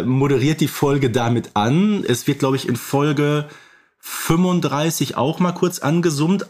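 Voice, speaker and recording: A man co-hosting a casual podcast, telling things in a hesitant, playfully opinionated way. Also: mid-range voice. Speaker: podcast co-host.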